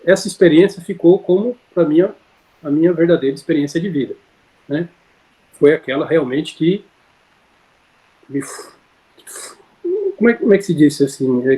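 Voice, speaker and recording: An interview guest with a slightly high, mellow voice tells a personal story in casual conversation, heard over a video call. He rambles, using many fillers and correcting himself along the way.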